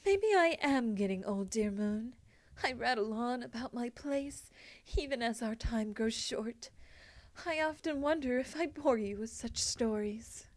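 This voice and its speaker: A woman voicing a wistful, regal winged pony princess in a storybook, speaking formally, softly and solemnly. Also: a little high, animated, unhurried. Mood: affectionate, resigned. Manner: formal, soft-spoken, solemn. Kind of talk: storybook character acting.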